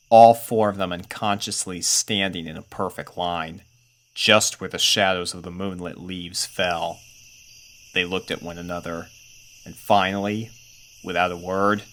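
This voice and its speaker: A man reading a scripted spooky story aloud as narrator, with a measured, suspenseful storytelling delivery. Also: low-pitched, a bit bright. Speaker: fan fiction narrator.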